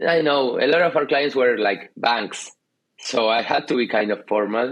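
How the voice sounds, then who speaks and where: With a Spanish accent, a man speaks at a moderate pace and a medium pitch. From Argentina, Buenos Aires. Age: 30s. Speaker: entrepreneur. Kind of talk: podcast interview. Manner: halting.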